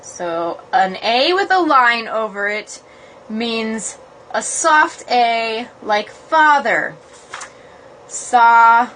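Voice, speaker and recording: High-voiced woman chatting on a noisy livestream. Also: lively intonation, takes it slowly, fairly bright tone. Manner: informal, giggly, chatty. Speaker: yoga blogger hosting a livestream. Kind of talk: casual livestream chat, with halting read-aloud. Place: small, cold, uninsulated cottage room. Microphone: phone livestream.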